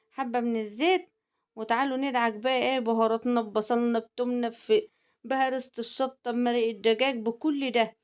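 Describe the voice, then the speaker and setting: A middle-aged woman with an Egyptian Arabic accent, narrating a home cooking video and chatting directly with her viewers in a teasing, homely way. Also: a little high. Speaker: cooking channel host.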